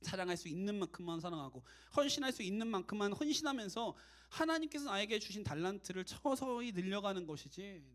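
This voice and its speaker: A man preaching a casual, conversational sermon to young adults as their youth pastor, animated and direct. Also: high-pitched, fast talker, hardly any pauses.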